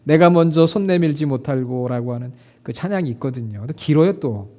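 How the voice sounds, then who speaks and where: High-voiced, mellow Korean pastor preaching. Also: male voice, lively intonation, brisk. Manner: earnest, rises into emotional quoted prayers then drops soft. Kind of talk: sermon.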